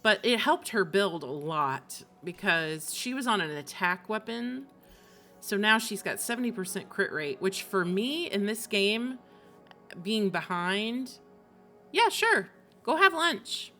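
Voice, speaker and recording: A woman's voice: mid-range voice, big pitch swings, takes it slowly, sharp tone, soft background music. A woman game streamer chatting casually and expressively on a livestream, in an informal way. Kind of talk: casual livestream chat about games.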